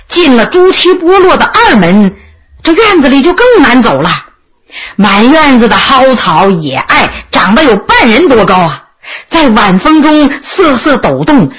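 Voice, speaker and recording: A woman storyteller with a somewhat high, husky voice telling a traditional historical tale. She speaks slowly and lets her pitch rise and fall widely as she narrates. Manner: expressive, swinging between voices.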